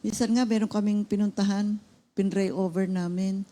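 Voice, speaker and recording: A woman co-hosting a Christian teaching program, talking casually and telling stories with lively acted-out dialogue. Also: medium pitch, moderate pace. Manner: animated storytelling, acting out dialogue loudly. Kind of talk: conversational Bible teaching.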